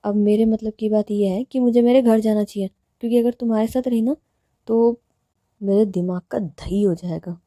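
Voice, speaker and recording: A woman voicing a quick-tempered but loving young college woman who scolds loudly and often turns indignant. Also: fairly high pitch, fairly even intonation, no room sound, clean studio sound, close to an everyday voice. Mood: affectionate.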